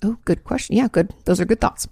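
A marriage and family therapist hosts her own advice podcast, chatting casually as she answers listener questions, correcting herself and laughing at her slips. Her mid-range voice is fairly quick, gravelly, husky and a little mellow, recorded in studio quality with no room sound.

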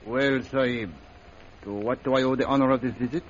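An actor playing a scheming hunter who leads a secret society, speaking in smooth, formal, falsely polite tones, in 1930s radio drama style. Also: male voice, medium pitch, fairly even intonation, a little fast, slight background noise, natural voice. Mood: smooth, evasive. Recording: dull old radio recording.

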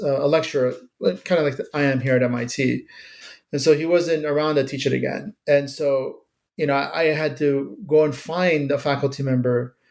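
A man's voice: on the high side, darkish tone. A man in his thirties, a native Persian speaker from Iran, answering interview questions in a thoughtful, casual way with many fillers and restarts. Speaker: author being interviewed.

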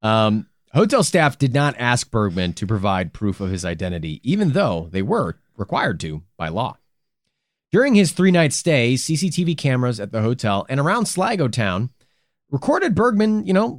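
A man co-hosting a true crime podcast, retelling the case in an animated, joking way with casual swearing. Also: medium pitch, dry recording, clean studio sound. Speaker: podcast co-host.

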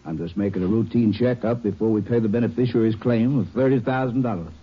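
Quick-talking, husky insurance investigator. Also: male voice, lowish voice. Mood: businesslike. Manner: businesslike. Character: brisk, formal male insurance investigator. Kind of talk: 1950s radio drama acting. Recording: muffled 1950s radio recording.

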